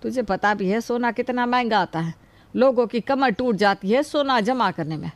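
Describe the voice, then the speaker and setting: Woman doing a motherly mother-in-law, scolds but covers for her, lively ups and downs. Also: on the high side, moderate pace. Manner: scolding yet caring. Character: kind, protective mother-in-law.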